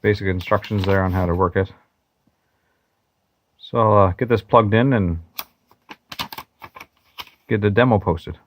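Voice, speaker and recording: A man narrating an unboxing in a plain, matter-of-fact way, pausing now and then. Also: on the low side, fairly even intonation, a little hiss or hum. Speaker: channel host.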